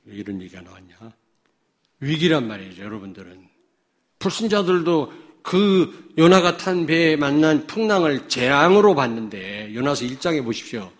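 A man from Chungcheong preaching a sermon, swinging between loud declarations and low asides to the congregation, with many rhetorical questions. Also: expressive, moderate pace. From Chungcheong, South Korea. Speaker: pastor.

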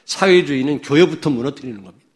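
Emphatic Korean pastor preaching. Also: male voice, quick pace. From Chungcheong, South Korea. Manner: emphatic, swings between loud declarations and low asides to the congregation; rhetorical questions and interjections. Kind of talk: sermon.

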